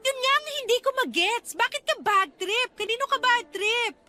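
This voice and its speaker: A woman's voice: extremely high pitch, moderate pace. A young woman acting a hurt, indignant and scared student girlfriend in a radio drama, emotional and confrontational.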